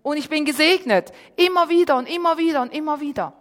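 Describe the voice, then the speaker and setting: A woman's voice: high-pitched, fast talker. Emphatic woman preaching in a hall. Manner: emphatic preaching, swinging between loud and hushed. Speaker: pastor. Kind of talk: sermon. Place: church hall. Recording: reverberant hall.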